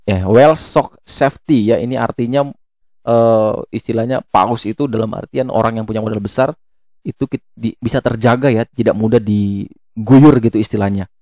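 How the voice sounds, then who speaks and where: Guy doing a casual explainer vid, mellow voice, kinda halting w lots of hesitations, mid pitch, dry sound. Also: steady tone, dry recording. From Indonesia. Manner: halting, with frequent hesitations and self-corrections. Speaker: YouTube host explaining crypto tokens. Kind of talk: casual explainer, walking through a web page.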